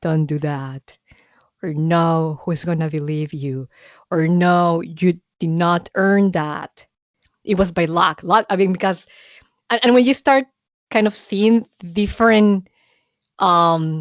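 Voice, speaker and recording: Woman with a Spanish accent, fairly low pitch, a very slow pace, and long, frequent pauses. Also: ordinary pitch variation. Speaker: psychotherapist. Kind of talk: casual chat.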